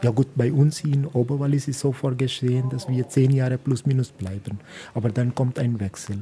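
Dark-voiced priest from India, halting. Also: male voice, mid-range voice, steady tone. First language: not German. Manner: halting, searching for words. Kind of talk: radio interview.

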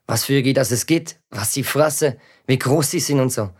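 In a children's audio drama, a performer with a natural, mid-range, darkish voice plays the narrating lead, a cheeky gamer schoolboy. Speaking at a moderate pace, the boy is sulky, sarcastic, and grumbling as he mocks the others.

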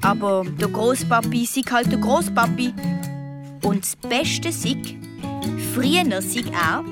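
A woman's voice: on the high side, expressive, slow, over loud music. A woman with a Swiss German accent narrating a children's story in the first person as a young girl, earnest and childlike. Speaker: audiobook narrator.

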